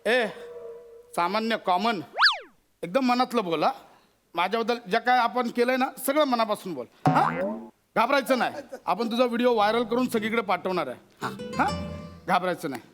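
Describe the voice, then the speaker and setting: An actor playing a hot-tempered, vain local politician who blusters and shouts in a stage comedy sketch. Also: male voice, very high-pitched, lively intonation, over music. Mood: bossy. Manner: blustering, shouting, quick to flare up.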